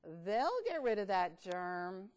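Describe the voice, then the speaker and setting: A woman's voice: medium pitch, sing-song, slow, a little mellow, pitched below the performer's own voice. A woman playing a matter-of-fact, tutting doctor in a children's storybook read-aloud.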